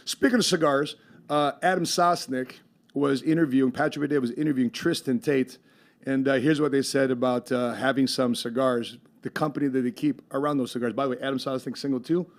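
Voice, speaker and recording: A man hosting a podcast in casual chat, rambling with many fillers and quick laughs. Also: mid-range voice, steady tone. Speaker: podcast host.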